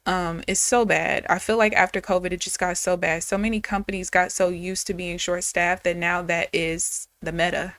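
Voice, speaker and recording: A woman's voice: fairly low pitch, little pitch movement, normal speed, few pauses, fairly bright tone, no echo. A woman in her thirties, a day trader chatting candidly and casually with viewers on a live stream. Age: 30s.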